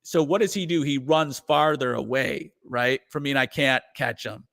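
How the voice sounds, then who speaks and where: A man with a mid-range, slightly bright voice talks at a moderate pace as a guest in a relaxed interview. A musician and comedian, he rambles, restarts, and says "you know" constantly.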